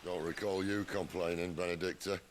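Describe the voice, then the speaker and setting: A man playing a gruff, wry middle-aged outlaw leader with a gravelly voice in a video game cutscene. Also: low voice, fairly even intonation, brisk, a little hiss or hum, natural voice. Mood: defiant, wry.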